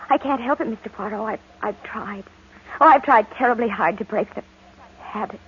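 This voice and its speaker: An actress playing a jittery, defensive young woman passenger with halting, nervous speech in an old-time radio melodrama. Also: on the high side, fairly bright tone, breathy edge. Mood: ashamed, distressed. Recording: muffled, noisy old radio recording.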